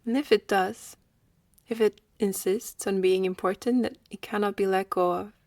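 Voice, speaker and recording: A woman leading a guided meditation in a slow, gentle manner with long pauses. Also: mid-range voice, steady tone, no echo.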